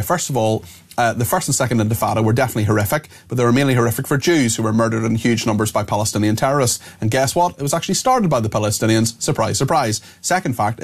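A smooth radio host, a man whose fluent on-air delivery moves at a quick clip. His pitch sits in an ordinary middle range. He reads listener messages and links one segment to the next without losing pace. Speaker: radio talk show host.

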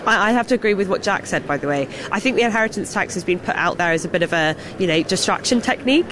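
Hoarse, fast-talking woman correspondent. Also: mid-range voice, expressive, background noise. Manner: fast, fluent, talks in quick runs. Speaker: political correspondent. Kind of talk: live radio phone-in analysis.

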